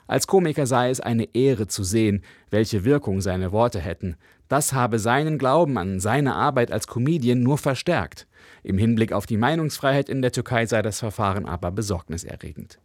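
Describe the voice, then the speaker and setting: Measured male radio correspondent, dry sound. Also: medium pitch, no echo. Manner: measured, even news delivery. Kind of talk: news report.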